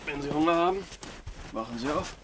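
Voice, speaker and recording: A man playing a taciturn backwoods father in a naturalistic German radio play, gruff and terse, in clipped phrases. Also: on the high side, lively intonation, brisk, recorded from a distance, close to an everyday voice. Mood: laconic. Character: gruff, taciturn backwoods father, beer drinker with few teeth. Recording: loud background noise, off-mic at times.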